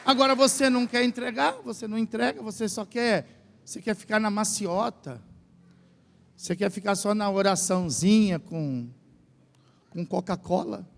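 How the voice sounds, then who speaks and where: High-voiced, gravelly pastor preaching in a hall. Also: male voice, normal speed. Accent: Brazilian Portuguese. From Brazil. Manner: animated preaching, shouting at peaks, joking asides. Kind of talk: sermon. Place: large church hall. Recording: echoing church hall.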